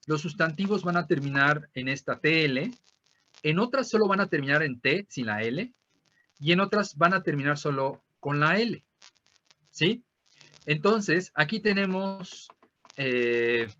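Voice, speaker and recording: A male language teacher with a Mexican Spanish accent and a bright, slightly high voice gives an online class lecture over lo-fi call audio. He explains things with frequent tag questions and repeats words slowly to model pronunciation.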